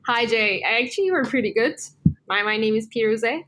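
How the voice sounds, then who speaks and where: A woman's voice: fairly high pitch, animated, a little fast, a bit bright, slight background noise. A woman in her thirties, born and raised in Turkey, a native Turkish speaker, answering interview questions casually, hesitant with many fillers and restarts. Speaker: guest, tech executive.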